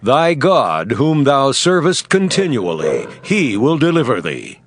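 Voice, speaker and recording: A man's voice: medium pitch, wildly swooping pitch, measured pace. A man playing a devout, earnest Persian king, speaking grandly in a dramatized scripture production. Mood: solemn reassurance. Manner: grand, declamatory. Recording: music behind the voice.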